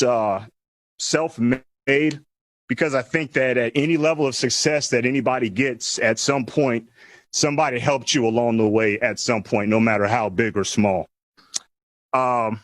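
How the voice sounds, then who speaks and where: Middle-aged man, general manager at a podium; emphatic, slightly higher pitch, dry sound. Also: fairly bright tone, dry recording. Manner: measured, emphatic, repeats key phrases. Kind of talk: press conference speech.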